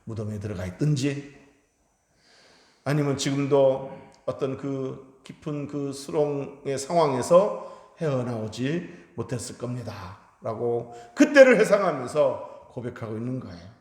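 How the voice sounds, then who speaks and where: A man preaching a Sunday sermon in a church sanctuary, earnest, his voice swelling loud on points of emphasis. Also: mid-range voice, expressive, measured pace. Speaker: pastor. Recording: echoey hall reverb.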